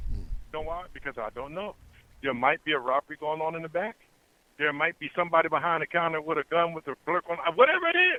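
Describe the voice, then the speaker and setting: Over noticeable background noise, a man with a fairly high voice talks at a very fast pace with ordinary pitch variation. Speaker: community speaker. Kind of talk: radio talk show discussion.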